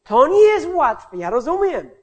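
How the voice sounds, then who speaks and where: A man with an unusually high voice shares his testimony as an evangelist. He speaks slowly and hesitantly, and he keeps pausing and restarting sentences as he hunts for the right words. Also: big pitch swings. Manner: halting, searching for words, many restarts. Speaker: street evangelist. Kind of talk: personal testimony in a sermon.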